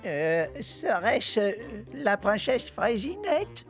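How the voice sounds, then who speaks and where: A woman's voice: fairly high pitch, sing-song, drawn-out words, over music, heavily acted. A woman voicing a forgetful elderly male berry sprite in a children's cartoon, hesitant and stammering as he fumbles for words. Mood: flustered, confused.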